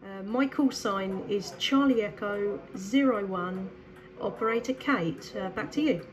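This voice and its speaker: A woman's voice: mid-range voice, a little slow. A woman with a southern English accent chatting casually and enthusiastically as a CB radio operator. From southeast England. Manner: enthusiastic, effusive. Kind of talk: casual two-way radio chat.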